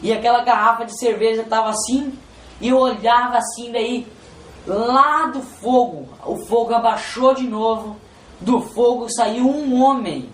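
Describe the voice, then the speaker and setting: Brief: man, emotional religious testimony, halting and repetitive, roomy echo. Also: extremely high pitch, slight background noise. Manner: halting and repetitive, constantly addressing "Senhor". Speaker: testimony giver. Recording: roomy with faint background ambience.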